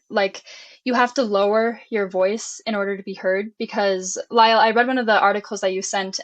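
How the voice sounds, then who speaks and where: A woman's voice: mid-range voice, no echo. Young female panelist, casual and rambling, dry recording. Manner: rambling, lots of fillers.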